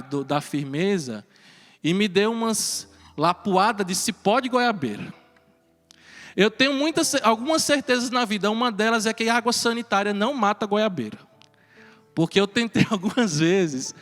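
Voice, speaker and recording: High-pitched priest telling a story in his sermon, echoing big hall, soft music under it. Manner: animated storyteller, drops to a hushed voice for tender moments. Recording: reverberant church hall with faint music.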